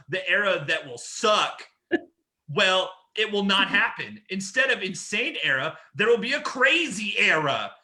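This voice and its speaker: A man's voice: high voice, bright, forceful tone, exaggerated voice. A man playing a brash, boastful old war-veteran wrestler in a staged reading of a trash-talk promo. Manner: boastful, taunting.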